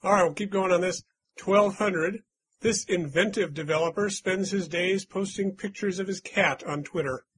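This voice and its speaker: A man's voice: high-pitched, moderate pace, a bit bright, breathy edge. A man hosting a casual trivia quiz among friends, reading out clues and teasing the players in a chatty way. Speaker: quiz host. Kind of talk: casual game-show chat with friends.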